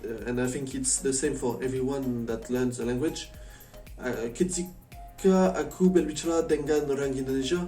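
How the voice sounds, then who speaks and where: A mellow-voiced man with a French accent talks casually to his viewers as a foreigner learning Indonesian. He speaks it haltingly and keeps switching into English. The recording is roomy and distant from the mic. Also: mid-range voice, steady tone. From France. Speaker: vlogger. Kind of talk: casual chat to camera. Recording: echoey room, distant mic, faint music.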